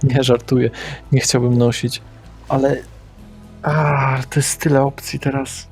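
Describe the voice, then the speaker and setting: A man's voice: medium pitch, level tone, a little slow, a little mellow, slightly rough, soft background music. A man speaking in character in a tabletop roleplaying game, casual and rambling. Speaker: player.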